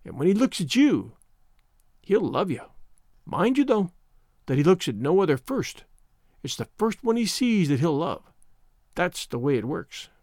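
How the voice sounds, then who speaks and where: A man's voice: sits high, very animated, unhurried, pauses often, a little mellow, dry recording, clean studio sound, exaggerated voice. A man voicing a scheming old woman witch who speaks in a folksy rustic dialect. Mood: knowing.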